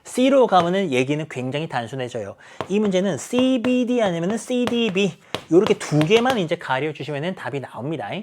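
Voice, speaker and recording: A man's voice: sits high, brisk, few pauses, slight background noise. A man teaching an English exam lecture, explaining answers and acting out characters' lines. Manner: lively, acts out characters' lines while explaining.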